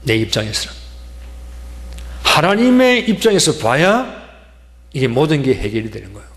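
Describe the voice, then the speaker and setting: A man's voice: mid-range voice, very animated, moderate pace, a bit bright. A male pastor preaching an emphatic sermon and leading his congregation in call-and-response chants. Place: church sanctuary. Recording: church hall reverb.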